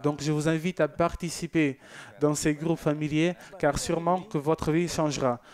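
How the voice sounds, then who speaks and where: Man host, church TV, slightly high voice, casual and joking, reads out viewers' messages. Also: flat delivery, normal speed, a little mellow. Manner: chatty and joking, with loose asides. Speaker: church TV presenter. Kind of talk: casual broadcast chat reading viewer messages.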